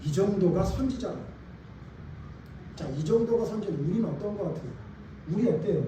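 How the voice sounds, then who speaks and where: Here a male pastor delivers a sermon in a church sanctuary, speaking emphatically and peppering the congregation with rhetorical questions. His high voice moves briskly with lively intonation, captured by a distant mic in an echoey hall over faint room noise.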